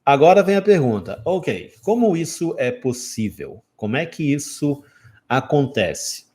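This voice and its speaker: A man's voice: mid-range voice, sing-song, a little slow, a little mellow. A man in his forties with a Brazilian Portuguese accent, an English teacher giving a live online lesson who keeps checking in with his viewers. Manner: explanatory, checks in often with "ok?".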